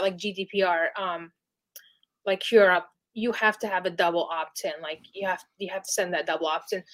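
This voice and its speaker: A woman's voice: medium pitch, fairly bright tone. Chatty woman explaining with many fillers. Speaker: email marketing specialist, guest. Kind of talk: casual explanatory interview.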